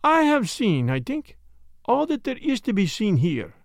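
A man's voice: sits high, huge pitch swings, no room sound, studio quality, pitched above the performer's own voice, heavily acted. A man voicing a polite, self-important Belgian detective with a French-speaking Belgian accent and mannered, precise phrasing, in a storybook reading. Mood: inquiring, courteous. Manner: mannered, deliberate, foreign phrasing.

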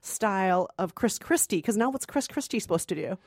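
A woman's voice: mid-range voice, expressive, fairly quick, a little mellow, dry recording, studio quality. A woman co-hosting a movie podcast, chatting casually and conversationally with a wry, joking manner. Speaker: podcast co-host, culture producer. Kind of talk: casual movie review chat.

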